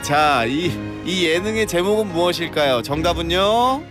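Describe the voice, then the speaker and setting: A man's voice: a little high, expressive, normal speed, music in the background. A man hosting a radio phone-in quiz in a playful, exclamatory, teasing way. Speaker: radio quiz show host.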